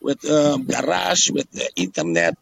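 Gravelly Aruban-accented man, slightly high voice. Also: measured pace, noisy background. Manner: repeats phrases and checks in with "yes?". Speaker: tour guide being interviewed. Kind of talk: casual conversational explaining.

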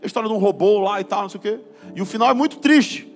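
A man's voice: high-pitched, very fast, faint music behind. A man pastor with a Brazilian Portuguese accent preaching a sermon, casual and slangy, building to fervent passages. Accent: Brazilian Portuguese, from Belém.

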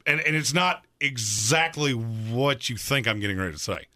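A man's voice: mid-range voice, normal speed, sharp tone. A man in his thirties co-hosting a sports talk radio show, making emphatic, argumentative points. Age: 30s.

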